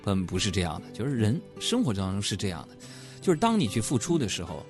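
A man from Northeast China, with that region's accent, hosts a comic storytelling monologue full of playful teasing and jokes. He talks fast, his pitch swooping wildly as he leaps into high mock voices over soft background music.

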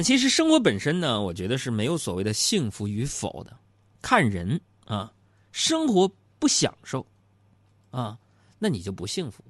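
Lively joking middle-aged man host. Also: fairly high pitch, no room sound. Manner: joking, teasing, chatty storyteller. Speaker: radio-style program host. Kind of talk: humorous storytelling talk show.

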